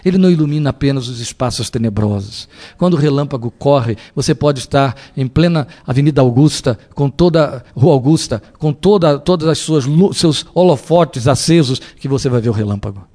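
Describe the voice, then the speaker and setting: A male pastor preaching a sermon in an animated way, often asking the congregation rhetorical questions. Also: mid-range voice, fairly quick.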